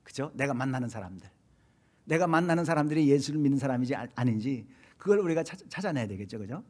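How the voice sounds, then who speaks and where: A man's voice: mid-range voice, animated, fast. A middle-aged man from Korea preaching a sermon, telling a personal story with frequent hesitations and repeated phrases. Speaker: pastor.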